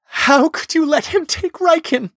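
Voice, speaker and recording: A man plays a distraught young male in a fantasy audiobook. His voice jumps high and loud, strained and shaky. He begs and wails with fierce devotion. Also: a little slow, no room sound, clean studio sound. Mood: anguished wail. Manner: wailing, begging.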